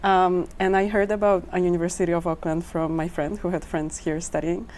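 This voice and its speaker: A woman's voice: lowish voice, level tone, a little fast, a little mellow, a little hiss or hum. A young woman in her twenties from Poland, a medical student on a panel, talking casually with many ums. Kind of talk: panel discussion.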